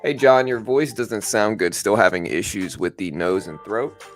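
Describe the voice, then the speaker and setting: Raspy man livestreaming over music. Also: fairly low pitch, moderate pace. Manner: laid-back, slangy, addressing viewers as bro. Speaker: livestream host, stock trader. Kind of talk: casual live market commentary with chat. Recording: music playing behind the voice.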